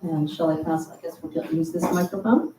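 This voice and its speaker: A woman's voice: deep voice, steady tone, brisk. A woman hosting a church service, giving announcements and welcoming guests in an earnest, heartfelt way. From United States. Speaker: service host. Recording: roomy, distant mic with faint hum.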